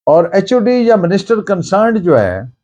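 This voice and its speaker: A man with a Pakistani accent gives a formal law lecture, reading out legal text and explaining it deliberately and emphatically. He repeats points in both Urdu and English. His voice is high-pitched, sing-song and warm.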